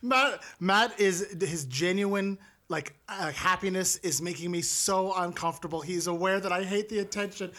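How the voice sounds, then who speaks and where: A man co-hosting a podcast, telling self-deprecating stories in a casual chat with lively impressions. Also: high voice, normal speed, hardly any pauses. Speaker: podcast co-host.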